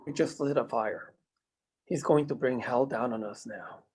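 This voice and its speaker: A man playing a worried, cautious ally of a small-town lawman with a husky voice, in a drama table read. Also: mid-range voice, a little slow, a little mellow. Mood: wary.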